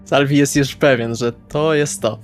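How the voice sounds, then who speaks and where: A man's voice: mid-range voice, fairly even intonation, measured pace, faint music behind. A man playing a tabletop roleplay, casually describing his moves and thinking aloud.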